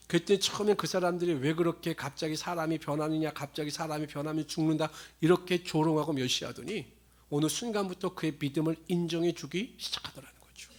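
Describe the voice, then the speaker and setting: A man preaching a midweek sermon as pastor, telling everyday stories and reading scripture aloud. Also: fairly high pitch. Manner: storytelling, then reading scripture aloud in a raised voice.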